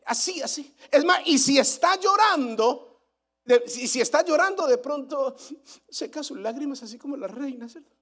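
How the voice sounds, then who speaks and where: A man's voice: very high voice, fairly bright tone. A male pastor preaching a sermon, emphatic and repetitive, asking his congregation rhetorical questions. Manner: emphatic preaching, repeats phrases for weight.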